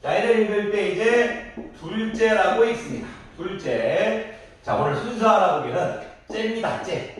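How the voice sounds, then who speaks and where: A middle-aged man teaching a math lesson to young children. He refers to himself as the teacher and counts aloud slowly while drawing. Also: high voice, animated. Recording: echoey room, voice from a distance.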